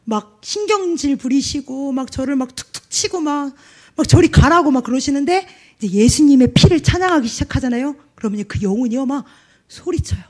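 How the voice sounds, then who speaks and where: A young woman preaches with a high, bright voice, telling her story earnestly and with strong emphasis. She leans hard on key words and acts out quotes as she speaks. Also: expressive, brisk. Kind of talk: sermon testimony.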